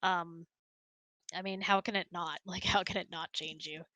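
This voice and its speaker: Bright, lowish-voiced woman chatting. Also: fairly even intonation, moderate pace, no echo. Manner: informal, rambling, emphatic. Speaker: host of a live Q&A. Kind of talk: casual conversational chat. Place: close-miked online voice chat, dry.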